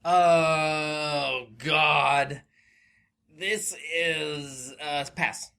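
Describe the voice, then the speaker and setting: A man's voice: fairly high pitch, steady tone, drawn-out words, creaky, sharp tone, smooth. A man hosting a podcast, talking casually and hesitantly through a guessing game, with some swearing. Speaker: podcast host. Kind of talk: casual chat, playing a word-guessing game.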